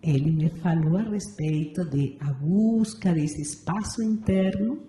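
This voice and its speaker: A woman's voice: lowish voice, warm tone, slight background noise. Argentine woman in her sixties, reflective. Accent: Argentine Spanish. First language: Spanish. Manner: measured, thoughtful, frequent "não é certo" tag. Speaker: interview guest, meditation teacher. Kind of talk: reflective interview answers. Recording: roomy echo.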